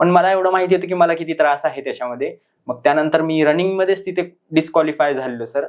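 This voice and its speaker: This man has a plain, everyday voice. His pitch sits fairly high and varies in an ordinary way. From Maharashtra, Nanded district (Mahur). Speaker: newly selected police sub-inspector. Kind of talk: interview.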